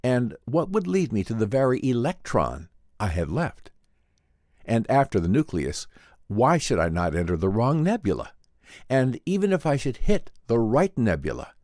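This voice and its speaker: A man's voice: medium pitch, a little mellow, dry recording, clean studio sound. A man performing a despairing space traveler stranded far from Earth, reading in a theatrical, anguished old-time sci-fi radio drama style. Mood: anguished, wondering.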